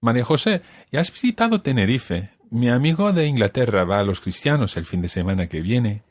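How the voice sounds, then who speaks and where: A man's voice: mid-range voice, big pitch swings, fairly quick, no room sound, clean studio sound. A man reading the part of an English learner of Spanish in a scripted dialogue, asking short, inquisitive questions. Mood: curious.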